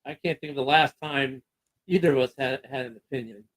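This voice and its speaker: A man's voice: mid-range voice, steady tone, a little fast. A man co-hosting a casual sports chat show, talking loosely with fillers and laughs. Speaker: podcast co-host.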